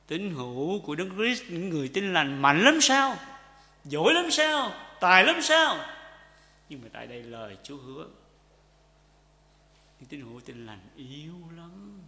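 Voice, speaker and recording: A man preaching a sermon to his congregation. He repeats phrases and asks them questions, and swings between loud impassioned calls and quiet intimate asides. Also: high voice. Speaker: pastor. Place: church sanctuary. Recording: echoey hall with long reverb.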